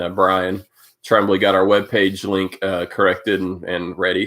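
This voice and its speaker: Congested deep-voiced man hosting a live stream. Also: fairly bright tone. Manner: rambling, greeting viewers by name, many fillers. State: congested from a cold. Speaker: host of a live cycling update stream. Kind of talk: casual live-stream chat.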